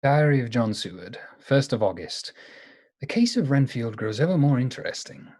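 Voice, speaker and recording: A man playing an earnest, somewhat awkward gentleman diarist in a live radio play, formal in speech. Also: medium pitch, sing-song. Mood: measured diary narration. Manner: formal, halting when flustered.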